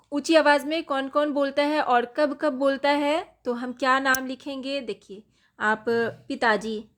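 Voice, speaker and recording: A woman teacher talks young children through their worksheet, step by step. Her voice sits a little high, and she takes her time with every line. She poses questions and then answers them herself in a patient, unhurried way.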